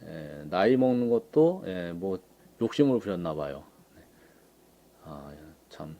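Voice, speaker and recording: Male commentator, conversational, unhurried, filler-heavy delivery. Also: low voice, big pitch swings, gravelly, highs cut off. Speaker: political commentator. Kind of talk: casual commentary on images.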